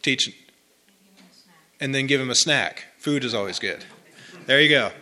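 A man's voice: medium pitch, animated, normal speed, bright, forceful tone. A man preaching an informal, conversational sermon, repeating phrases and answering people in the pews. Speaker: pastor. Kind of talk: informal sermon with congregation responses.

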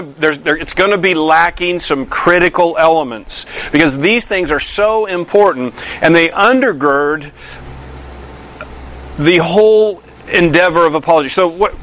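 A man's voice: a little high, a bit bright. A male pastor delivering a conversational sermon, asking his listeners many questions and often restarting his sentences. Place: church.

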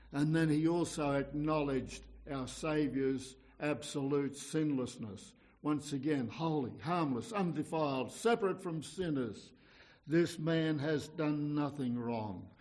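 A man's voice: medium pitch, darkish tone. A man preaching an evangelical sermon in an earnest, exhorting manner, often repeating phrases and posing questions.

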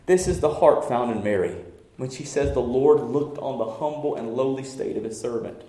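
Passionate preacher in a roomy church. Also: male voice, mid-range voice, moderate pace. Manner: swings from shouted passion to hushed, near-whispered lines. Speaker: pastor. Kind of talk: sermon. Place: church sanctuary.

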